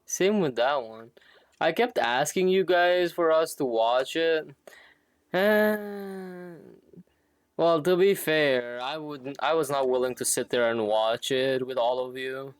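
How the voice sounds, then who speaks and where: A man's voice: on the high side, takes it slowly, clear, resonant tone, dry recording. A man chatting casually and a little hesitantly to viewers while live streaming a game.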